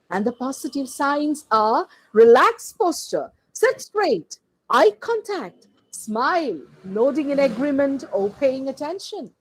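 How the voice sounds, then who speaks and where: A woman giving a slide-based lecture as a teacher trainer, listing her points one by one in a deliberate way. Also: poor audio. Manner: slow, deliberate delivery with animated pitch; lists points one word at a time.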